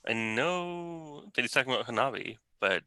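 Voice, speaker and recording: A man playing as a contestant in a casual online game show over a video call, slow and muttering while he thinks. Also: medium pitch, lively intonation, pushed and bright, clear, resonant tone.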